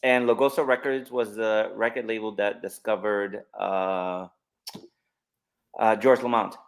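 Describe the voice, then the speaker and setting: A man in his fifties, raised in New York, speaking as an interview guest in a relaxed way, with many fillers and restarts. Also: lowish voice, unhurried, creaky. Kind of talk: casual interview chat.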